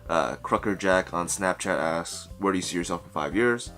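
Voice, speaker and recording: Low-voiced young man in his twenties. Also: normal speed, soft background music. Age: 20s. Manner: thoughtful, self-correcting, expressive hand gestures. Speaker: vlogger. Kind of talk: casual Q and A vlog. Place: small bedroom at night, indoors. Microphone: camera mic, seated close to camera.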